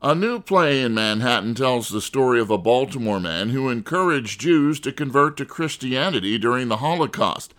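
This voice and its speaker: A man's voice: medium pitch, a bit bright. Man anchoring a radio newscast. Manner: smooth, formal introductions. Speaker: news anchor. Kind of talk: scripted news anchoring.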